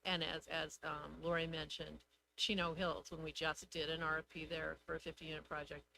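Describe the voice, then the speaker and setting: A woman's voice: sits low, little pitch movement, brisk, creaky, background noise. A woman explaining things methodically as an expert adviser at a public meeting. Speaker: housing development consultant.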